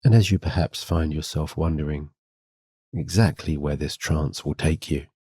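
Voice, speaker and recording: A man with an exceptionally deep, mellow voice guides a sleep meditation, reading a hypnosis script in a gentle, soothing, calming way. He speaks at a moderate pace with a breathy edge. The audio is close and dry, with no echo.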